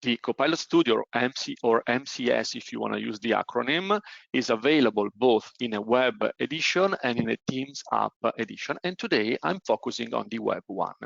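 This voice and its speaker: An Italian-accented man leads a technical webinar, talking through each step and filling pauses with "uh". His voice has a gravelly edge at a middling pitch. The audio is dry and a little dull, like a call mic. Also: expressive, fairly bright tone, no echo. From Italy. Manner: frequent "uh" hesitations while explaining. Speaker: presenter.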